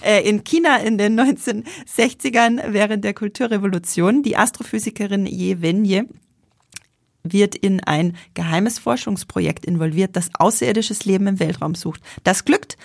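An Austrian woman talks casually on a podcast, stopping and restarting her sentences and filling gaps with little hesitations. Her mid-range voice has a gravelly edge, and the recording is close and dry. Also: medium pitch, moderate pace, no echo. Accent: Austrian German. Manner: chatty, frequent fillers and restarts. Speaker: podcast co-host, film journalist.

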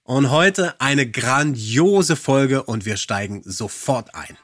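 A man's voice: medium pitch, expressive, slow pace. A man co-hosting a podcast, moving between casual chat and scripted read-outs. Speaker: podcast co-host.

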